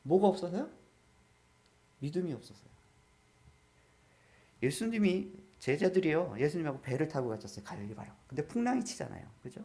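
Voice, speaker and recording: A pastor preaches a sermon in church, peppering the congregation with questions and calls for amens. His voice is a little high and dark in tone, with big pitch swings. He talks a little fast and pauses often.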